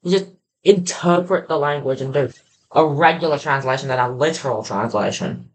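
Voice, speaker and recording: Halting streamer thinking aloud. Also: medium pitch, fairly bright tone, poor audio. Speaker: livestreamer reacting to a video. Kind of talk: casual live reaction chat.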